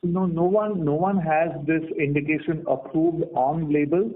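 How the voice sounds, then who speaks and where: Higher-voiced man on a phone line. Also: steady tone, normal speed. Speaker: company executive. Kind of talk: explaining strategy on an earnings call. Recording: noisy narrowband phone line.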